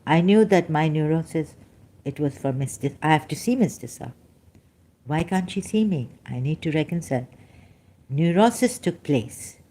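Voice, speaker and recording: A woman giving an unscripted personal monologue to camera, halting often and searching aloud for the right words. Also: low voice, expressive, warm tone. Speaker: vlogger.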